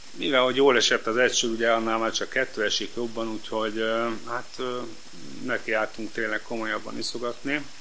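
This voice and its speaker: A man's bright, sharp tone at a medium pitch, fairly quick and in a monotone, flat intonation, with audible room echo. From Budapest, Hungary. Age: 40s. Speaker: bus driver giving testimony. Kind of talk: testimony.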